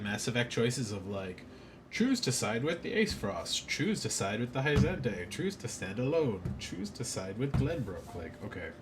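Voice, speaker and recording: Low-voiced man casually commentating on gameplay. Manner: rambling, informal. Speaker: video game streamer. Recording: clear background noise.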